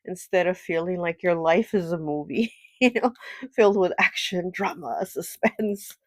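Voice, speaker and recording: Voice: mid-range voice, moderate pace, background noise. A tarot reader with a stuffy, nasal voice from a cold, doing a casual, chatty card reading with lots of fillers and small laughs. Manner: chatty, rambling, frequent fillers and little laughs.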